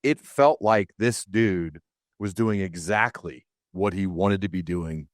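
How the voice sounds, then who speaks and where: A man's voice: low-pitched, slow, no echo, clean studio sound. A man hosting a podcast interview in a casual, chatty style.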